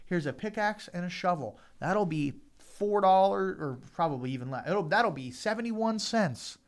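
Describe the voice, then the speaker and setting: A man's voice: high voice, animated, normal speed. A man voicing an eager 1840s shopkeeper who sells mining tools, in a salesy way.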